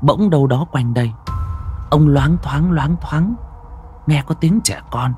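A man narrating a folk ghost story in a dramatic, expressive way. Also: on the high side, a little slow, soft background music.

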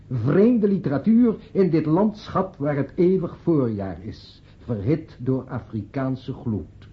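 An actor playing a sentimental man who speaks in a declamatory, measured way in a radio play. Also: mid-range voice. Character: man giving a solemn, sentimental graveside eulogy for a friend. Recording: dull, noisy old radio play recording.

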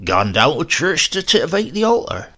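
A man's voice: a little high, very animated, moderate pace, pushed and bright, pitched above the performer's own voice, full character voice. A man reading a storybook aloud and voicing a wicked, tipsy old uncle who drawls his replies slyly.

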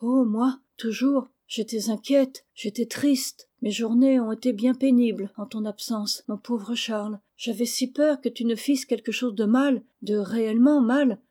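Woman reading as a gentle blind girl. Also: on the high side, steady tone, a little slow, hardly any pauses. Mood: earnest. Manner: soft, tender, earnest.

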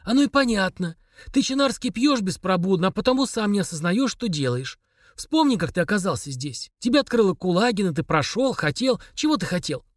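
Male narrator doing a high, sneering, rough police major, interrogating, dry audiobook sound. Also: sing-song, brisk, dry recording.

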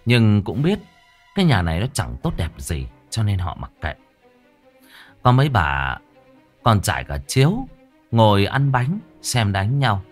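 Man, storyteller, animated pitch, colloquial, expressive narration. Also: measured pace, long pauses, soft background music. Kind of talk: dramatic folk story narration.

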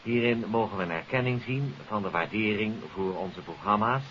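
Lowish-voiced formal male radio presenter. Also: moderate pace, fairly bright tone. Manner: formal, courteous. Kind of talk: scripted 1950s radio announcement, addressing listeners. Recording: hissy, dull 1950s radio recording.

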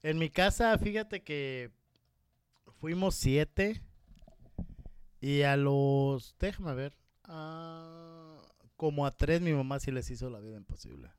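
A man's voice: on the high side, takes it slowly, long pauses, clean tone, no room sound. A man from Mexico with a Mexican accent, casually telling a personal story and acting out the voices in it. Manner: lively anecdotal, acts out quoted voices.

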